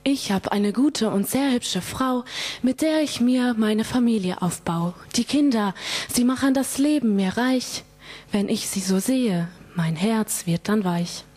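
A woman reciting a rhymed religious poem in a measured, earnest way with deliberate pauses. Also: on the high side, darkish tone. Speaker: poet reciting own poem at a church.

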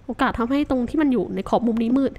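High-voiced woman chatting through gameplay. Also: rapid-fire. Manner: chatty, talks to herself, soft polite particles, sudden startled shouts. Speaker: Minecraft let's-play host. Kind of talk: casual game commentary.

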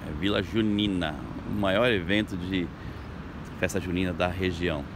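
Guy vlogging outside, kinda low voice, upbeat and chatty, lots of street noise behind. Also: fairly even intonation, normal speed. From Brazil. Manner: chatty, upbeat, talks to viewers directly. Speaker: local tour guide vlogger. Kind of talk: casual vlog narration. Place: beach boardwalk outdoors at sunrise. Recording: outdoor phone recording with traffic noise.

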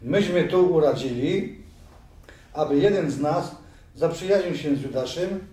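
A man's voice: on the high side, unhurried, warm tone, lightly acted. A man playing Azariasz, a sly scheming judge. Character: scheming male council judge, sly plotter. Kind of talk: amateur audio drama reading. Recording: very echoey room, far from mic.

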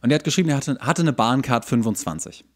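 A man's voice: mid-range voice, expressive, quick pace, slight background noise. A man hosting a podcast, explaining and ranting in a casual, colloquial way. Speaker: podcast host.

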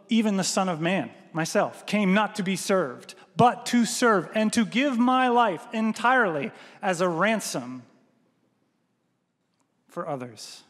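A pastor in his thirties, his voice notably high for a man, preaches an animated sermon into a headset mic. He gestures broadly and keeps checking in with "right?", while the large church hall leaves a long reverb on everything.

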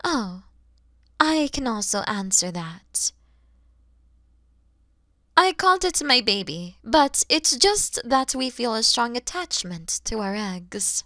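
A woman voicing a huge, kind, motherly dragon who is proud and teasing, in an ASMR roleplay, explaining things gently and patiently. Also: on the high side, very animated, takes it slowly, long pauses, dry recording, studio quality, full character voice. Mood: tender, amused. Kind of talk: ASMR audio roleplay addressed to the listener.

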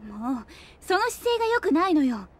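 An actress playing a determined, prickly young engineer and little sister in an audio drama, brisk, stubborn and easily exasperated. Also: female voice, sits high, sing-song. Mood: stern. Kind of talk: Japanese audio drama acting.

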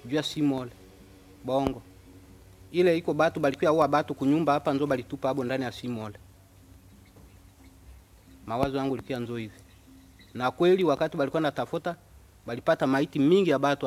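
Quick-talking male witness. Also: mid-range voice, darkish tone. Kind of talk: testimony.

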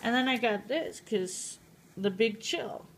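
A woman's voice: a little high, slow, vocal fry. A woman vlogger, just woken up, rambling casually through a tea haul. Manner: rambling, giggly, playful. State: just woke up, groggy. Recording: noisy home video.

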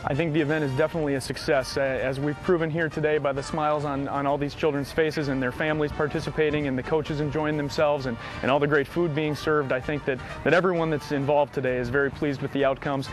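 A man's voice: fairly high pitch, level tone, quick pace, few pauses, over music, poor audio. A man representing a company, interviewed outdoors at a sports field on a lapel mic, speaking enthusiastically with some fillers. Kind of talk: on-camera interview.

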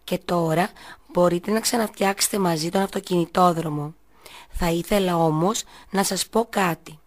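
A woman voicing a patient mother who calmly admonishes her children. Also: on the low side, natural voice. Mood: gentle. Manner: soothing, admonishing.

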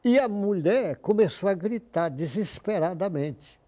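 Older man telling stories, mellow tone. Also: sits high, lively intonation, measured pace. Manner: anecdotal, acts out quoted voices. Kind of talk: casual storytelling interview.

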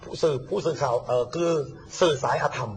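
A man talks about politics at a rapid clip, his voice sitting a little high. He is blunt and mocking and slips into quick acted-out snatches of what other people said. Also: slight background noise. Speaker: guest speaker on politics and the army. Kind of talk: casual political talk.

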